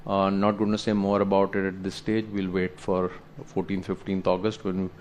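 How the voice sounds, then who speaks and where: A man presents company results to investors as an executive, explaining slides in a measured, halting way. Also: low-pitched, completely flat delivery, a little hiss or hum. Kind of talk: earnings presentation to investors, talking through slides.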